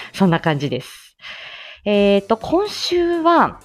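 A woman's voice: mid-range voice, wildly swooping pitch, slow pace, faint music behind. A woman who is a speech-language therapist hosts a casual live stream, chatting with many fillers and frequent laughs.

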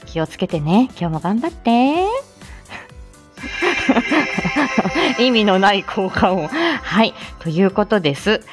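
A woman's voice: medium pitch, very animated, slow, pauses often, music in the background. A woman hosting a live stream in a casual, chatty way, often laughing between phrases. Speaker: livestream host.

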